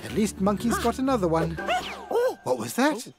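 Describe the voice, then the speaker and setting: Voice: medium pitch, big pitch swings, moderate pace. A narrator telling a children's cartoon story, expressively reacting aloud to the action with exclamations. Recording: music behind the narration. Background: music.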